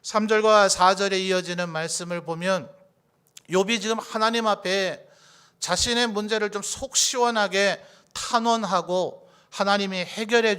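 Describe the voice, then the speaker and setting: A man's voice: high voice, a bit bright, smooth. A male pastor delivering a Sunday sermon, earnest and pleading as he reads scripture aloud.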